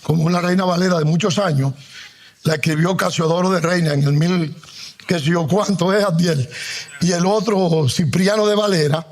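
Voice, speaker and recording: A male pastor preaching a sermon in a conversational way, with humor. He has the congregation repeat after him and stretches out the words he stresses. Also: high-pitched. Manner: emphatic, drawn-out stressed words; conversational humor woven into Bible teaching.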